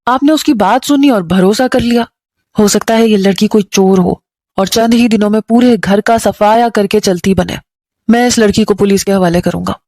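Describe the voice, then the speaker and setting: A woman's voice: medium pitch, moderate pace, mellow, no room sound, lightly acted. A woman voicing a stern, suspicious young man who snaps curt retorts. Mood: irritated.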